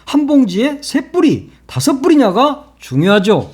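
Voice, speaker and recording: A man's voice: very high-pitched, wildly swooping pitch, a little slow, a little mellow, husky. A man hosting his own political commentary channel, talking casually in a mocking, sarcastic way and laughing at his own jokes.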